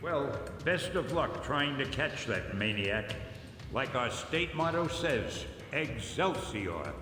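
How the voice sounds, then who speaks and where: Genial senator, lively delivery. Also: male voice, mid-range voice, slow. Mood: hearty. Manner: hearty, politician-like. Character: genial older male state senator, folksy and grateful. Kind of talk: video game cutscene acting. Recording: echoey hall, music behind.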